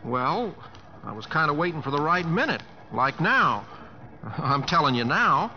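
Casting: earnest, drawling Oklahoma cowboy, rural accent, slightly high and very animated, vintage radio play. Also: male voice, measured pace. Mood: sheepish, coaxing. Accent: American, rural Oklahoma. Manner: drawling, folksy, hesitant, homespun grammar. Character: folksy, bashful, earnest Oklahoma cowboy performer and young sweetheart. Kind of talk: old-time American radio drama acting. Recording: dull vintage radio recording, faint music.

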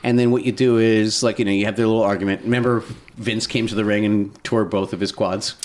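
A man's voice: on the low side, level tone, brisk, darkish tone, a little hiss or hum. A man in his late thirties hosting a podcast, rambling casually with lots of restarts and easy laughs. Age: 30s. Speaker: podcast host. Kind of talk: casual chat.

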